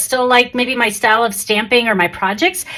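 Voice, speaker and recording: The voice moves at a fairly quick pace with a slight Minnesota accent and ordinary pitch variation. Noticeable background noise can be heard. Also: woman. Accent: slight northern US (Minnesota). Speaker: papercraft demonstrator. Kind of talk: craft tutorial. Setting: home craft room. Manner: chatty, friendly.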